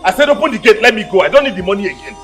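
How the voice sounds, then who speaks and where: Man as stubborn Nigerian cabbie, high, lively voice, loud and indignant. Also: racing, faint music behind. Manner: loud, indignant, pleading at times. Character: stubborn indignant male taxi driver, loud.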